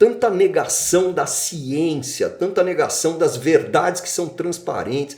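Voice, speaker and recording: A man with a high voice speaks in an animated tone at a fairly slow pace. He hardly pauses at all. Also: ordinary pitch variation. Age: 60s. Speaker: franchise consultant. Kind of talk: podcast interview.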